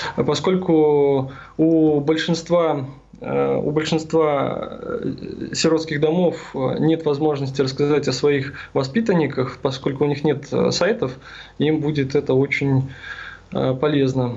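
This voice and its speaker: Over noticeable background noise, a man with a fairly high pitch speaks very slowly, with long, frequent pauses. His loudness stays very even and his intonation fairly even. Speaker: startup founder. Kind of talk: sales pitch. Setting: video call.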